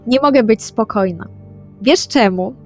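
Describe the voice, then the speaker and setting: A woman's voice: fairly high pitch, unhurried, darkish tone. A woman speaking in character as a player in a tabletop roleplaying session. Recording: music bed under the voice. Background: background music.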